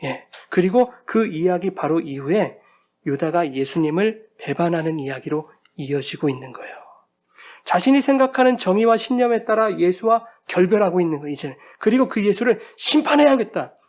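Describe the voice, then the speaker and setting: Brief: male preacher with a high voice, emphatic, asks the congregation questions. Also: expressive, moderate pace, a little mellow. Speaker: pastor. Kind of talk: sermon.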